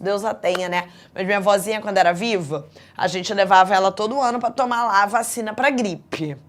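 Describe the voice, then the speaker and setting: A Brazilian woman teaching an exam prep class in a chatty, lively way, often checking in with her students. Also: mid-range voice. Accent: Brazilian Portuguese.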